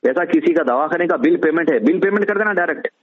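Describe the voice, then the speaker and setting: A man's voice: a little high, lively intonation, fast talker. A man with a Hyderabadi accent talking casually and giving his opinions on a phone call, explaining his points in repeated lists. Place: on a phone line. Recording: tinny narrowband phone call recording.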